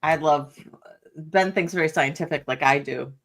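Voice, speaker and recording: A woman's voice: deep voice, normal speed. A woman who runs a legal commentary channel, chatting casually on a livestream, laughing easily and filling her speech with "like" and "um". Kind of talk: casual live chat.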